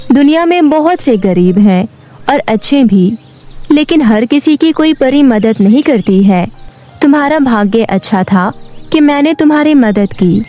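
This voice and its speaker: A woman voicing a wise, stern fairy in an animated story, speaking in a calm, lecturing way over faint music. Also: sits high. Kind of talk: storybook voice acting.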